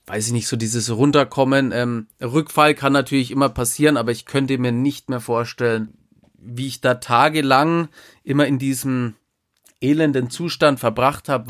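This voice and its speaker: A man in casual conversation, speaking haltingly and reflectively about his past. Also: mid-range voice. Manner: halting, with many fillers and restarts, reflective. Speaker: former drug user sharing experience.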